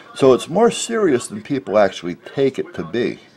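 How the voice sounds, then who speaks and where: There is noticeable background noise as a man speaks at a moderate pace with very wide pitch swings. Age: 60s. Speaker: vlogger. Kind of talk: casual monologue. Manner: rambling, halting with fillers.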